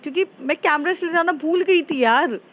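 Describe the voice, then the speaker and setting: A woman voicing Jessica, a shaken young woman who is a restless amateur sleuth, talking in rushed, exasperated bursts. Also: high voice, highs cut off, pitched above the performer's own voice, close to an everyday voice.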